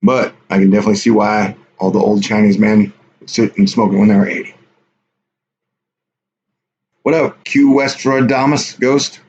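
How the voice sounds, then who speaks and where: Man, mid-pitch, casual livestream host, rambling and offhand, dull lo-fi audio with faint hiss. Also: fairly even intonation, normal speed, pauses often, a little mellow. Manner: rambling, offhand, reads chat aloud. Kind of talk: casual live stream chat with viewers.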